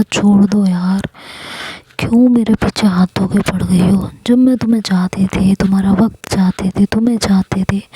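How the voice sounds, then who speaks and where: A woman's voice: medium pitch, mellow, husky, poor audio. A woman voicing an exasperated young woman who pleads to be left alone by her ex. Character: young woman pushing away a clingy ex, exasperated.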